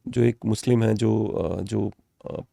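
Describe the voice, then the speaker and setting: A man hosting a podcast who asks probing questions in a halting way and often restarts them. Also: lowish voice, fairly even intonation, creaky, dark tone, no echo, studio quality. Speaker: podcast host.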